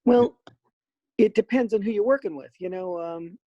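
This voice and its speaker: A middle-aged man with a raspy voice, a voice actor chatting as a podcast guest in an animated, rambling way. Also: sits high, moderate pace, no room sound, muffled recording. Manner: animated, rambling with many fillers. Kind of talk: casual podcast interview.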